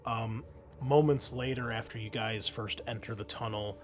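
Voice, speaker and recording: A man narrating a tabletop roleplaying game as game master, in a halting, descriptive, conversational way. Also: medium pitch, fairly even intonation, slight background noise.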